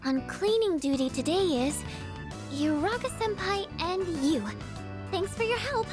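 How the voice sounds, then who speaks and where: An actress playing a polite young schoolgirl in an anime video game, speaking deliberately. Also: extremely high pitch, expressive, music in the background.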